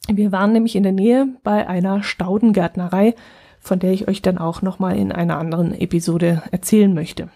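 A woman's voice: medium pitch, brisk. A woman hosting her own podcast, talking casually and at ease, with fillers and small laughs. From Allgäu, Germany. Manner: chatty and relaxed, with frequent fillers and small laughs. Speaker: podcast host. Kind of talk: casual solo podcast chat.

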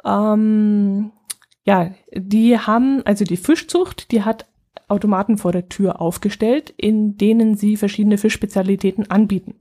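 A woman hosting her own podcast, chatting in an easygoing way. Her voice has a mellow, darker tone at a middle pitch. She talks loosely, with frequent fillers and little laughs. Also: fairly even intonation, measured pace. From Allgäu, Germany. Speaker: podcast host. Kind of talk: casual solo podcast chat.

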